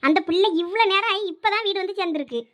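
Shrill fast-talking village mom, bossy, thoothukudi accent, dry sound, a woman doing it. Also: a bit bright, no room sound. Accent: Thoothukudi Tamil. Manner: scolding, domineering. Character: scolding village mother, bossy and loud. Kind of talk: village comedy skit.

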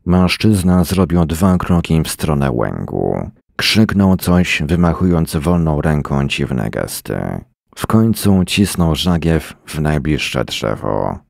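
A man reading a short story aloud in a measured, dramatic way. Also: rumbling low, very animated, creaky, darkish tone, dry recording, clean studio sound. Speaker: reader. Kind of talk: scripted narration of a short story.

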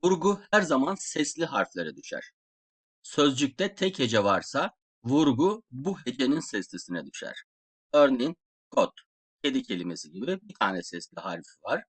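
Husky-voiced man teaching Russian. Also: mid-range voice, big pitch swings. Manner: slow, explaining and repeating example words aloud. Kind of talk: slide-based language lesson.

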